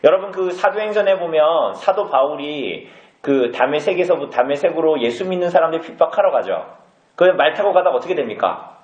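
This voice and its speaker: A pastor preaching a conversational sermon, often putting questions to the congregation. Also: male voice, on the high side, animated, fairly quick, a little mellow. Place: church hall. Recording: echoey, dull church recording.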